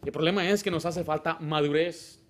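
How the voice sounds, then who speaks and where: A man preaching a sermon as pastor, animated, with sudden loud exclamations and quiet asides, and acting out other people in quoted lines. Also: a little high, moderate pace. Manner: acts out children and church members in quoted lines.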